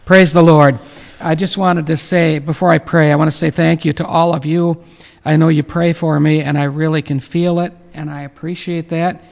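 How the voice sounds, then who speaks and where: A man in his late fifties, a pastor, giving earnest closing thanks and a reverent prayer with many halting fillers. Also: a little high, level tone, creaky. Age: 50s. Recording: muffled with long reverb.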